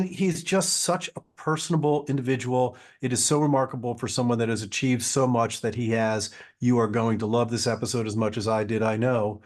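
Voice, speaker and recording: A man's voice: mid-range voice, darkish tone. Effusive male podcast host. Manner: enthusiastic, effusive, promotional. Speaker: podcast host, orthopedic surgeon. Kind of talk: podcast interview hosting.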